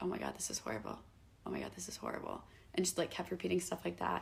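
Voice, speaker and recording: A woman speaks with a Midwestern American accent. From US Midwest, Indiana (Carmel, north of Indianapolis). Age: 20s. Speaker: podcast guest. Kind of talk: casual interview. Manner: animated storytelling.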